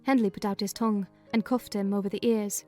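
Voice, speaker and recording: A woman giving a dramatized first-person reading of a classic novel in measured, clear storytelling. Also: medium pitch, fairly even intonation, darkish tone, soft background music. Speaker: reader of a novel.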